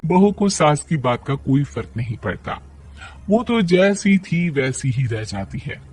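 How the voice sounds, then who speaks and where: A male narrator telling an animated story from a script. His fairly high voice swings up and down in lively fashion. He slips in wry asides. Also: measured pace, soft background music.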